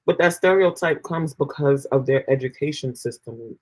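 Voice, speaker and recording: A man's voice: medium pitch, normal speed, a little mellow, low-quality recording. Rambling New York man in casual chat. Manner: rambling, repeats fillers. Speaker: podcast co-host.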